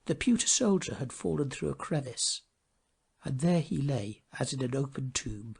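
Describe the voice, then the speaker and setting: Male audiobook narrator for children's classics. Dramatic, animated intonation, slightly rough-edged tone. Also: medium pitch, normal speed. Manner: expressive, dramatic storytelling. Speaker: storybook reader. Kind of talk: scripted storybook narration.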